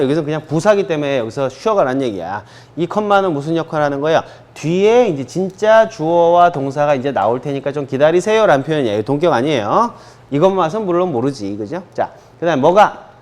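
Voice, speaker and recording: A Korean man teaching English grammar in a lively, sing-song voice that rides up and down a lot. His voice sits a little high, and he keeps checking in with his students, then stretches English phrases out slowly for them to repeat. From South Korea. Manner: drills students with frequent "그죠?" and slow English repeats. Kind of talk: classroom grammar lesson.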